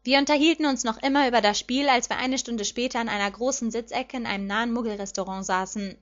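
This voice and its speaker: A woman reading a fan fiction story aloud in a lively first-person voice. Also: fairly high pitch, quick pace, highs cut off. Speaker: audiobook reader.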